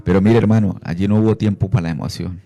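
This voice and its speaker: A man preaching on Christian radio, fervent, often calling out to his brothers and rising into loud, high preaching. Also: fairly even intonation, quick pace. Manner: fervent, repeats "hermano" and "aleluya". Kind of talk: radio sermon.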